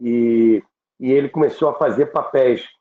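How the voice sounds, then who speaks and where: A man with a Brazilian accent telling anecdotes deliberately and haltingly on a podcast, repeating himself for emphasis. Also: mid-range voice, fairly even intonation. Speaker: radio history storyteller on a podcast. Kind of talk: anecdotal storytelling talk. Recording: roomy, tinny phone-like sound.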